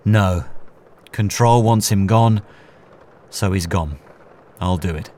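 An actor playing a calm, guarded professional hitman in an audio drama, speaking in a terse, controlled way. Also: low-pitched, slow. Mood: firm, guarded. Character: calm, guarded professional hitman narrating his own story. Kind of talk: audio drama acting and first-person narration.

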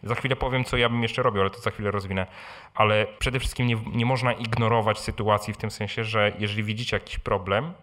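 Talking fast in a voice on the low side, fairly bright and fairly even in intonation, a man hosts a live Q&A on personal finance. He answers the audience informally, repeating words and regularly throwing in brief tag questions.

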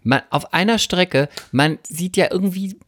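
A man co-hosting a casual comedic chat, telling stories and acting out quotes in a high voice. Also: normal speed, no echo, clean studio sound. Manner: animated storyteller, acts out quotes in high voice.

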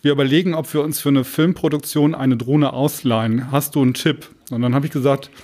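A man's voice: fairly high pitch, a little mellow. Casual man hosting a podcast. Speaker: podcast co-host.

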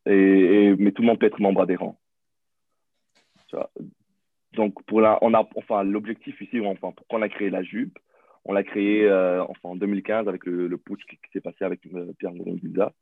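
Deep-voiced man on a tinny line. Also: little pitch movement, brisk, no echo. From Burundi. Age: 30s. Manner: hesitant, many fillers and restarts. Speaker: podcast guest. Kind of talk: casual interview talk.

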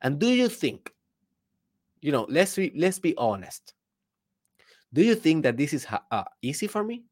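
A business coach who is a native Spanish speaker with a Spanish accent delivers an emphatic solo motivational talk, repeatedly posing rhetorical questions to the listener. His voice is fairly high, sing-song and darkish, at a moderate pace with long pauses.

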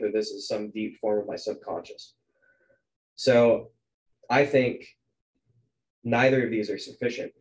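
A man's voice: lowish voice, a little mellow, low-quality recording. A man in his twenties hosting a podcast, musing aloud in a hesitant, filler-heavy way. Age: 20s. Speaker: podcast host. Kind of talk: casual podcast conversation.

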